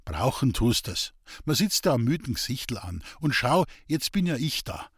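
A man's voice: mid-range voice, big pitch swings, moderate pace, breathy edge, no room sound, studio quality. A man voicing a sturdy young forest worker who talks brusquely and firmly. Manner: brusque, firm, awkwardly cheerful.

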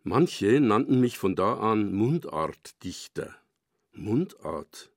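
Calm, low-voiced older German man reading. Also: slow, no echo, clean studio sound. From Bavaria, Germany. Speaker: dialect poet. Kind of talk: scripted personal radio essay.

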